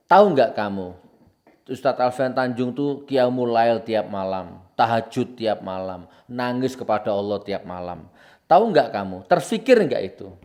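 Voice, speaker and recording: A man preaching with confrontation, hammering out repeated accusations and swinging from low and solemn to loud and heated. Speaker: Islamic preacher. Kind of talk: impassioned preaching commentary.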